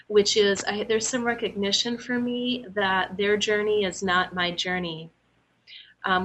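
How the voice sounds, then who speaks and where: A woman therapist answering a caller's question in a thoughtful, gentle way with many pauses. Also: mid-range voice, a little hiss or hum, rough recording. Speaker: guest, therapist. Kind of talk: reflective interview answer.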